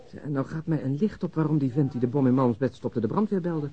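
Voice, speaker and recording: Male actor as skeptical cop, gruff, sardonic, fast-talking, radio drama, dull recording. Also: medium pitch, lightly acted. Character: gruff, skeptical male police detective, grudgingly following along. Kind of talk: Dutch radio drama acting.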